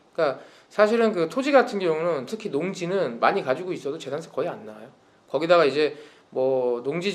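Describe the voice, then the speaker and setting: The speech comes at a fairly quick pace with lively intonation. Audible room echo surrounds it. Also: man. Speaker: real estate tax instructor. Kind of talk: lecture. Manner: fast.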